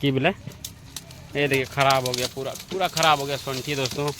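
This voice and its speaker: Male vlogger, slightly high voice, casual, outdoor phone audio with steady noise. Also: normal speed. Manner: lively, coos to animals. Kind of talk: casual vlog narration. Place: rural farmyard outdoors.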